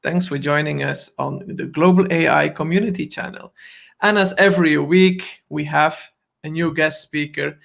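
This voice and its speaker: A man's voice: fairly high pitch, fairly even intonation, normal speed, vocal fry, fairly bright tone. A man hosting a live online show, greeting viewers and asking his guest short questions. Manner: friendly, asks short questions. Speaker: host. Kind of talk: livestream hosting.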